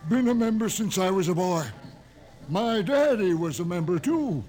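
A man's voice: high voice, animated, normal speed, darkish tone. An actor playing a devout doomsday cult man in a 1950s radio drama, preaching in exclamatory, folksy bursts. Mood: fervent. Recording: old radio broadcast with music.

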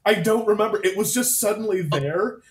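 High-voiced, wry male co-host. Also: brisk. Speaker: podcast co-host. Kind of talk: casual chat.

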